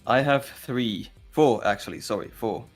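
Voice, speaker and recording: A man's voice: medium pitch, measured pace, faint music behind. A man from Belgium with a Flemish accent, a Dutch speaker, chatting casually and self-deprecatingly as a cast guest. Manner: self-deprecating, apologetic, joking. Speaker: voice actor guest. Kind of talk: casual chat.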